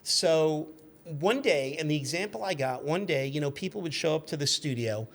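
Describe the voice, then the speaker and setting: A man in his fifties telling anecdotes in an animated, chatty way as a podcast guest. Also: a little high, normal speed. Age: 50s. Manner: chatty, acts out quoted shouts. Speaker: podcast guest, magazine editor.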